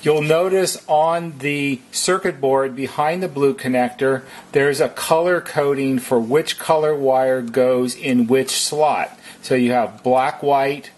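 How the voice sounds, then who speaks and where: Male technician for how-to narration: unhurried, methodical, deliberate, with a somewhat husky voice. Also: medium pitch, fairly even intonation. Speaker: repair technician giving instructions.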